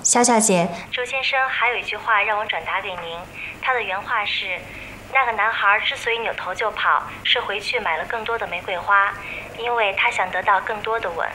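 A woman's voice: mid-range voice, brisk, a little hiss or hum, lightly acted, low-quality recording. An actress playing a polite, composed female telephone operator in a war drama. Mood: gentle, formal. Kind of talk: war television drama acting. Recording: loud music over the dialogue. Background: background music.

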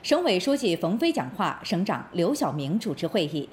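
A woman presenting scripted television news as an anchor, with formal, measured broadcast diction. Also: lowish voice, sing-song, a little mellow, a little hiss or hum.

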